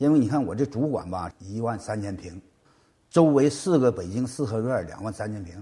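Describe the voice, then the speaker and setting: A man's medium-pitched voice, somewhat breathy, with a dark, mellow tone, a northeastern Chinese accent, lively intonation, a moderate pace and big swings in loudness. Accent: northeastern Mandarin. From Liaoning, northeast China. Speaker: museum founder and businessman. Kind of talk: interview. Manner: halting, many fillers.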